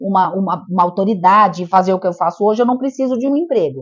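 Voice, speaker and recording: A woman speaks in an ordinary speaking voice at medium pitch. Her intonation is lively. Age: 60s. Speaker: headhunter and speaker. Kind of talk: talk show interview.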